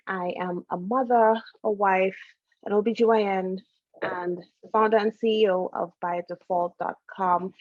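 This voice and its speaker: A woman's voice: mid-range voice, steady tone, a little slow, no room sound, phone-quality sound. A middle-aged woman from Trinidad and Tobago, a doctor and founder, talking casually as a podcast guest with many "you know" fillers. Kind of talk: casual interview conversation.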